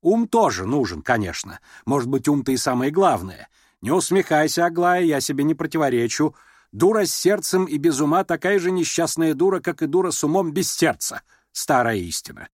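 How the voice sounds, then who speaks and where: A commanding noblewoman of middle years , voiced by a man reading an audiobook, snaps and scolds in a raised, lifted voice. Her speech swings widely in pitch, full of scorn. The sound is close and dry. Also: lively intonation, brisk, dry recording. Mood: scolding. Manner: haughty, scolding, abrupt. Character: imperious middle-aged noblewoman, irritable, sharp-tongued mother.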